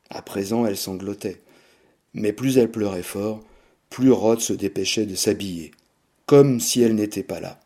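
A man reading a novel aloud in a measured, steady narration. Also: mid-range voice. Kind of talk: scripted narration.

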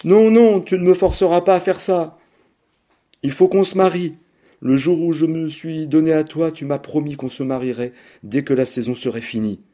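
Guy doing a quiet teary young woman in an audiobook, mellow voice, soft and pleading, begging her lover. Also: medium pitch, normal speed, lightly acted.

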